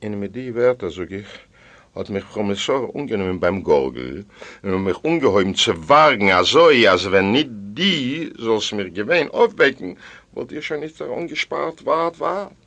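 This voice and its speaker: Animated male storyteller reading aloud. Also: unhurried, highs cut off. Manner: lively, voicing the characters with big shifts of pitch and loudness. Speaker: narrator reading an audiobook. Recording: library recording from the 1980s or 1990s.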